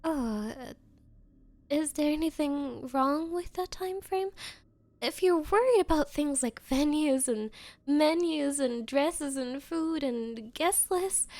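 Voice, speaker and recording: A woman playing a nervous, obsessive young woman on a date in an anime-style ASMR roleplay, speaking haltingly and flustered. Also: high voice, animated, darkish tone, dry recording, heavily acted. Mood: eager, flustered. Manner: halting, flustered, breathy hesitations. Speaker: roleplay voice performer.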